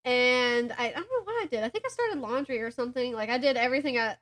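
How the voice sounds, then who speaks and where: A young woman with a distinctly high voice talks as a podcast co-host. She rambles through everyday stories in a casual, chatty style, and her delivery is giggly. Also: lively intonation, fast talker, fairly bright tone. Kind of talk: casual chat between friends.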